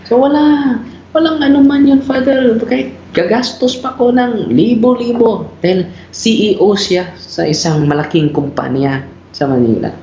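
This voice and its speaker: A man, a Catholic priest and exorcist, teaching in a relaxed talk, mixing English into his speech and often asking "no?". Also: normal speed, a little hiss or hum. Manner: animated storyteller, mixing English into Filipino, frequent "bro" and "no?". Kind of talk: conversational teaching in a talk show. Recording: roomy, dull low-fi sound.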